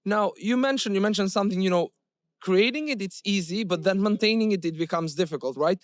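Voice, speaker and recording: A man's voice: high voice, fairly quick, no room sound. A man hosting a business podcast, asking long, rambling questions and agreeing with his guest. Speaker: podcast host. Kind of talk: interview questions.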